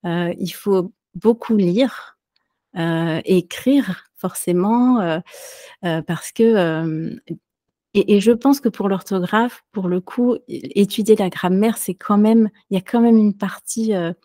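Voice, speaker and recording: A woman who teaches French, answering interview questions casually with many pauses and fillers. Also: mid-range voice, dark tone, dry recording, clean studio sound. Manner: hesitant, many fillers and restarts, light laughs. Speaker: French teacher and podcaster, guest.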